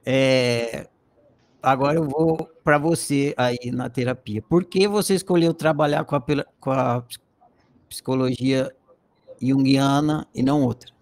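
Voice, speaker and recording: A man's voice: medium pitch, unhurried, darkish tone. A man with a Brazilian Portuguese accent hosting an interview, asking questions in a casual, friendly way. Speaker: interviewer host.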